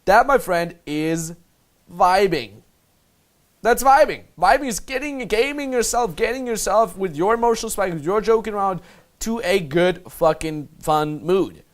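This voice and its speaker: A man's voice: high-pitched, lively intonation, normal speed. A young Austrian man with an Austrian accent, a dating coach talking brashly and profanely while breaking down his street conversations, laughing often.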